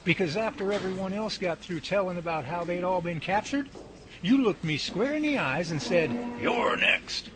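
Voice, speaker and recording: A man's voice: high-pitched, expressive, normal speed, music in the background. A man playing a groggy, wisecracking guy. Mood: uneasy. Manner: wisecracking and grumbling. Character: groggy, self-mocking young man after a nightmare. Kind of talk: hobby radio drama acting. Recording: noisy home recording.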